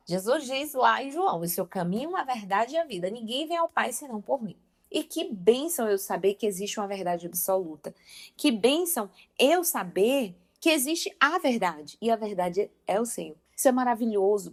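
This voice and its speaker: A young woman with a slightly high voice delivers an informal Christian devotional talk. She speaks emphatically and stays personal, often turning straight to her listeners with affectionate asides. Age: young adult. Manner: emphatic, talks straight to the listener as "meu amor" and "gente".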